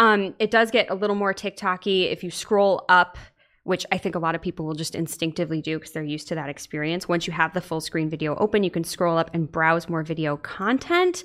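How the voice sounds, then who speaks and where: Against a quiet background, a woman with an unremarkable speaking voice talks fairly quickly at a fairly low pitch, her intonation fairly even. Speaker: podcast host. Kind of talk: casual chat.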